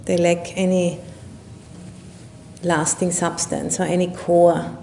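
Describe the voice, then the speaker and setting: A woman guides a meditation in a lowish, very level voice. Her phrases come slowly and haltingly, with long gaps between them. A faint rumble of background noise sits under the recording. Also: level tone, vocal fry, mellow. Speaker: Buddhist nun leading meditation. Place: retreat session at a monastery or retreat center.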